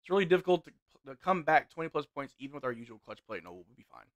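A young man doing live play-by-play and chat reading while watching a game, his voice getting hoarse, in a small room at a desk mic. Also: fairly high pitch, very fast. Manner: play-by-play calls mixed with relaxed banter. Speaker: sports watch-along streamer. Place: small indoor room with gaming chair.

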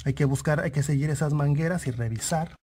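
A man calmly walking through a car engine repair lesson, pointing out parts one by one and repeating key points. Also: on the high side, fairly quick, husky. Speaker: auto mechanic instructor. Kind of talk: explanatory car repair tutorial voice-over.

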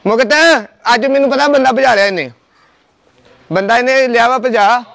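A man's voice: very high-pitched, normal speed, vocal fry, a bit bright, dry recording. A man in a heated face-to-face argument with a relative, insisting again and again that the other man listen to him.

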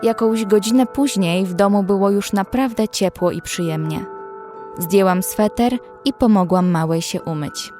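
A young woman survivor voiced by an actress tells her story in a mid-pitched voice. She is measured, tender and a little anxious, over a music bed, as in a horror audio drama. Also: warm tone, close to an everyday voice. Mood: calm, reflective. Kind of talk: first-person horror audio drama narration.

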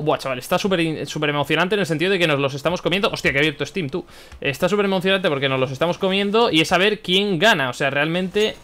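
Young man, gameplay commentary, excitable, swears, bright tone. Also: fairly high pitch. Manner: excitable, swears a lot, shouts at the game. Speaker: gaming YouTuber.

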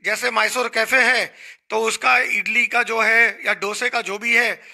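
On a small indoor studio set, a middle-aged hotel association guest with an Indian accent speaks earnestly into a handheld mic during a talk show. His very high voice has a bright, forceful tone, though his delivery is flat and a little slow.

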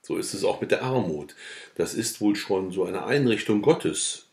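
A hard old farmer refuses to budge, blunt and unmoved, in a low-voiced man's plain reading. The tone is firm and deep, hardly acted. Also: expressive, moderate pace, gravelly, darkish tone. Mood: stubborn. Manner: blunt, stubborn.

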